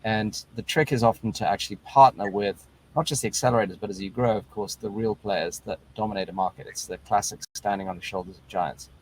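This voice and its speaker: A man on an investor panel, speaking in a measured, advice-giving way over a video call. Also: lowish voice, a little hiss or hum, low-quality recording. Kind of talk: panel discussion.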